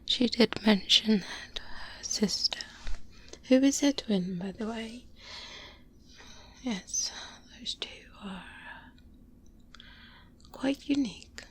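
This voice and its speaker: A seasoned vampire hunter, played by a woman, mentors a trainee in a breathy, hushed whisper. The delivery is slow and deliberate, guarded and careful, in the intimate style of a close-up ASMR roleplay. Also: fairly high pitch. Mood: secretive, wry. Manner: measured, deliberate, hushed, with thoughtful pauses. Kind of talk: soft-spoken ASMR roleplay monologue. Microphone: close-up binaural microphone.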